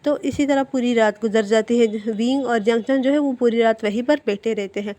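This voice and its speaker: A woman retells a story casually and chattily, pausing often on fillers. Her voice sits fairly high but sounds warm and mellow. The delivery is relaxed, like talking to regular viewers. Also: dry recording.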